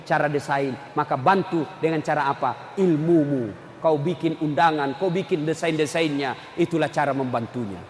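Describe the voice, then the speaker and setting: A middle-aged man preaching a humorous sermon in a mosque, swinging from shouts to low murmurs. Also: a little hiss or hum. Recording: echoey hall, faint ambience.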